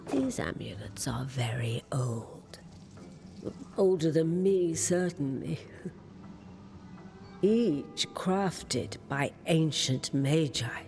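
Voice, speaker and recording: A woman voicing an ancient, cryptic merchant in a video game, with a breathy, creaky voice and a measured, ominous delivery. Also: sits low, expressive, a little mellow, soft background music, heavily acted. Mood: wry, knowing. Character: ancient, cryptic mystical merchant warning travelers. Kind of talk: video game character acting.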